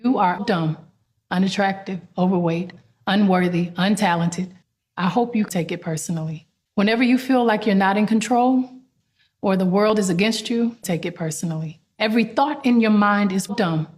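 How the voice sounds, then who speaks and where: A woman's voice: mid-range voice, normal speed, a little mellow, close to an everyday voice. A woman playing a cold, scornful voice that recites insults in a cartoon parody.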